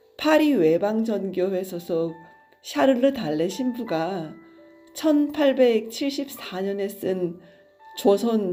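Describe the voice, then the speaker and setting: Music plays in the background as the voice moves at a very slow pace with very wide pitch swings. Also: woman. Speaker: book reader. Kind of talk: essay reading.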